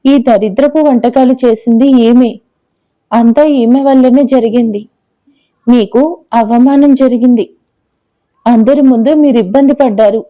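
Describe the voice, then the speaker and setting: A woman's voice: a little high, measured pace, long pauses, lo-fi sound, natural voice. A woman voicing a rude, haughty young female office manager who talks down to others in a scornful, commanding way.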